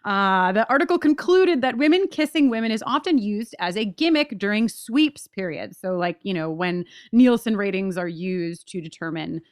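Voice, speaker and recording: A woman podcast host giving conversational commentary on television, expressive and emphatic, with casual asides. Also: medium pitch, normal speed, hardly any pauses, clean tone, dry recording, studio quality.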